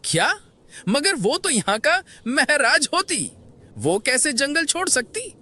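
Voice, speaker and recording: Woman playing a slow, high-voiced Arab sheikh camel. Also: very animated, sharp tone, a little hiss or hum, exaggerated voice. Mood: astonished. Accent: Arab, put on. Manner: exclamatory, broken grammar. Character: friendly Arab sheikh camel, male, bewildered visitor. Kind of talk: animated moral-story cartoon voice acting.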